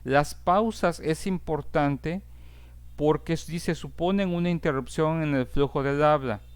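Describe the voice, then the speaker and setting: A man lecturing to his students at a deliberately slow pace, pausing on "eh" and checking in with "¿sí?". His voice sits a little high for a man. It comes through smooth and resonant. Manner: slow, measured explaining with frequent "eh" fillers and "¿sí?" checks. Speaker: teacher. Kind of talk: recorded class lecture.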